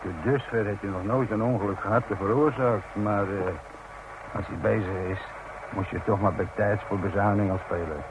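A man playing a gruff, commanding work boss in a Dutch radio drama, blunt and impatient with backtalk. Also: lowish voice, fairly even intonation, normal speed, background noise, close to an everyday voice. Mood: dry. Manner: blunt, authoritative.

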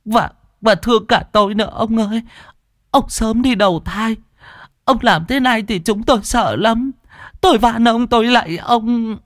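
Guy putting on a tearful old granny voice, way up high, pleading, storytelling. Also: moderate pace, a bit bright, dry recording, studio quality. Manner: high falsetto, wailing and begging. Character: grieving old grandmother, pleading and frightened.

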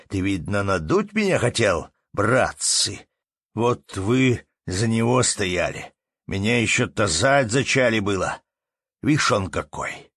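A man voicing a hot-tempered innkeeper who scolds loudly in folksy speech. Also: on the low side, no room sound, clean studio sound, exaggerated voice.

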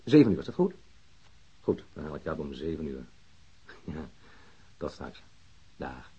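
A man acting a slippery, evasive gangster who feigns innocence in a Dutch radio drama, hesitant and smooth-talking. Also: very deep voice, very animated, unhurried, warm tone, exaggerated voice. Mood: chummy, eager. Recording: dull, lo-fi radio drama recording.

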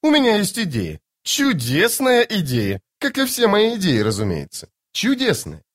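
A woman's voice: medium pitch, wildly swooping pitch, normal speed, voice pushed up. A man voicing a vain, cheerful woman in white who chatters sweetly and admires herself, in an audiobook. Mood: airy, chatty. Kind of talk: audiobook character voice.

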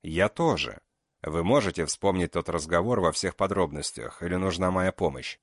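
Man doing a calm menacing killer, very deep voice, mocking, dry. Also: no echo. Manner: cold, unhurried, mocking. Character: calm, mocking male killer called the beast.

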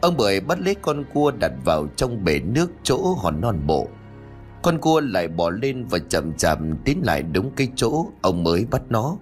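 A man's voice: fairly low pitch, big pitch swings, moderate pace. A man narrating a ghost story in a dramatic storytelling manner. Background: faint music.

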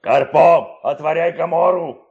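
A man voicing a blustering middle-aged village headman, slow, weighty and imperious, in a dramatised story. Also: on the high side, fairly even intonation, gravelly, breathy edge, narrow, tinny audio, pitched above the performer's own voice, heavily acted. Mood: angry, commanding.

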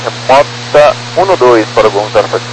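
A man's voice: medium pitch, animated, normal speed, a little hiss or hum, low-quality recording. A male pilot, heard over an aviation radio, giving terse routine readbacks in clipped radio phraseology.

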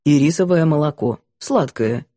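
Woman narrator voicing a blunt, bossy cook; low, slow, brusque. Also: lively intonation, mellow, no room sound. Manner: brusque, commanding. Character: stern blunt female household cook.

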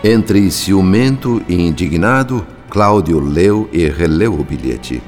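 A man's voice: sits low, animated, takes it slowly, darkish tone, soft background music. A man with a Brazilian accent playing a grave, watchful spirit who narrates a radio drama in literary, solemn style. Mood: grave, dramatic.

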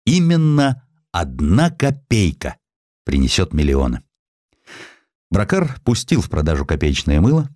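A man reading a scripted historical narration in a measured, expressive way. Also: sits low, no echo, studio quality. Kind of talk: scripted audio drama narration.

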